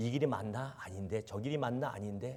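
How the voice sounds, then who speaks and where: A man with a dark, mellow tone talks at a moderate pace with lively intonation. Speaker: pastor. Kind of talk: sermon.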